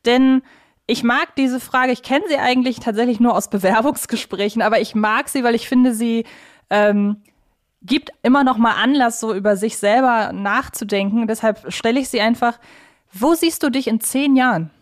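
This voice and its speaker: A woman's voice: a little high, moderate pace. A woman co-hosting a podcast interview, earnest and fond of repeating words for emphasis. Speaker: podcast co-host.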